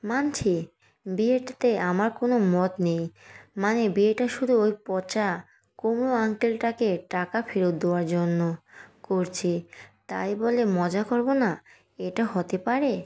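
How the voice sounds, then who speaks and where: A woman's voice: mid-range voice, unhurried, mellow, natural voice. A woman voicing a feisty, mischievous young bride who is stubborn and cheeky, in an audio story reading. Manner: sulky and cheeky.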